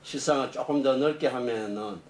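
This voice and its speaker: A middle-aged man, a professor being interviewed, explaining technical matters off the cuff in a halting way. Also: mid-range voice. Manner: halting, explanatory, rephrasing as he goes. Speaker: engineering professor, interview guest. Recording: echoey room, distant mic, faint noise.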